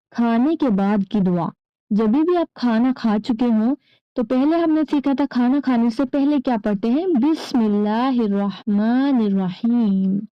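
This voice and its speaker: Slow, patient woman teaching recitation. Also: on the high side, no echo, muffled recording. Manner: patient, drawn-out syllables when reciting. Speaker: religious teacher for young children. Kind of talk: slow recitation lesson with repetition.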